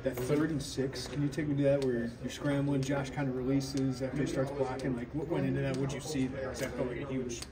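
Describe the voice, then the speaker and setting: A man's voice: medium pitch, flat delivery, a little fast, few pauses. A male reporter asking detailed play-by-play questions at a press scrum. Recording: distant mic, loud crowd chatter. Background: loud crowd chatter.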